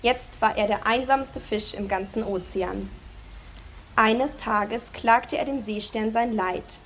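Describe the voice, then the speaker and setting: A woman reading a children's story aloud at a church service, clear and expressive. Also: a little high, takes it slowly, slight background noise.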